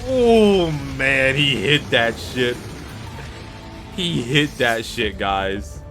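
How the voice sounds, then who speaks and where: A man streaming casual reaction commentary to viewers, animated and slangy, swearing freely. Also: medium pitch, extremely slow, soft background music. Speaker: streamer reacting to game cutscenes.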